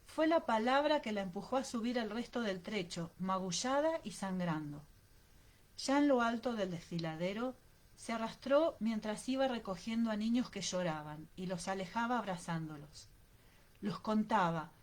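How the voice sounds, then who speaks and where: A woman reading an audiobook aloud in a steady, dramatic narrating manner. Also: medium pitch, moderate pace. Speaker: audiobook reader.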